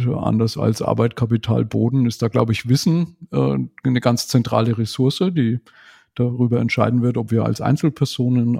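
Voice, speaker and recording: Gravelly mid-forties guy on a podcast, dark mellow tone, keeps tacking on little questions. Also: mid-range voice. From Germany. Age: 40s. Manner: thoughtful, measured, frequent "ne?" tag questions. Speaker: podcast guest. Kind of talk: casual conversational interview.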